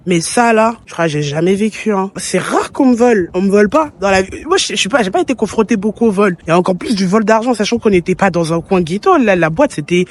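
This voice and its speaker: A woman's voice: medium pitch, expressive, fast talker, few pauses. A young woman from France ranting on a casual travel vlog, filmed on her phone. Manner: annoyed, ranting. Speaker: vlogger. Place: travelling in a city.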